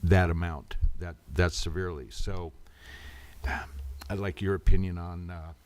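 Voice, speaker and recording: A man speaking as the chair of a public council meeting in a measured, procedural way. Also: sits low, little pitch movement, a little mellow.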